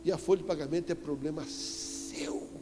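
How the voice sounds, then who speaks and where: A man with a Brazilian Portuguese accent preaching a sermon as an apostle, telling a story with animated emphasis and sudden loud exclamations. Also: on the high side, moderate pace. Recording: echoey church hall with faint music.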